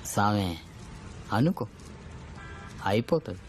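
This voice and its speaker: A man's voice: fairly low pitch, expressive, takes it slowly, loud music behind the voice. A man acting a reverent, solemn devotee who speaks in an incantatory way in a Telugu film.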